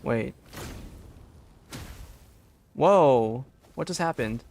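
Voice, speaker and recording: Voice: medium pitch, animated, drawn-out words, vocal fry, a little mellow, slight background noise. A game streamer giving casual, hesitant, puzzled reactions while playing.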